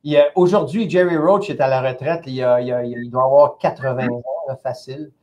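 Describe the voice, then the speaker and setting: A man's voice: mid-range voice, brisk. A man in his fifties with a Québécois French accent, telling anecdotes as a guest in a casual interview. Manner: lively storyteller, conversational. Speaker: company president, interview guest.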